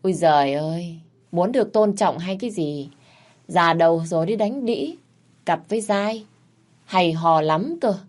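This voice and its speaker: A woman's voice: on the low side, normal speed, lightly acted. A woman playing a sneering, defiant young daughter-in-law. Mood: scornful.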